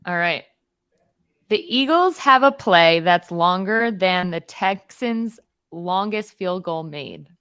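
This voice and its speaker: Woman, lower pitch, bright forceful tone; podcast presenter running a bidding game. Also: lively intonation, slow pace, smooth. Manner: reads game prompts aloud, auctioneer calls. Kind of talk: casual podcast banter.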